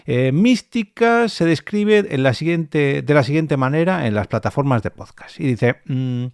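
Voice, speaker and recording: A man's voice: a little high, expressive, a little slow, gravelly, clear, resonant tone, dry recording, clean studio sound. A man with an accent from Spain hosting a solo podcast, talking casually and directly to his listeners. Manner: conversational, addresses listeners directly. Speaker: podcast host and producer.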